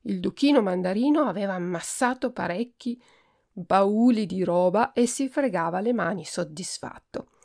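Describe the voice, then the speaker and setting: A woman, a podcast host, reading a children's storybook aloud in a steady, expressive way. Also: medium pitch, normal speed, creaky.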